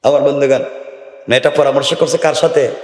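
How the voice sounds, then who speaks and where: A man's voice: medium pitch, steady tone, fairly quick, darkish tone. A man preaching a sermon to a large gathering, theatrical and teasing, acting out voices and prompting the crowd to answer. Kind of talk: sermon at an outdoor religious gathering. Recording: echoey, reverberant PA sound from far.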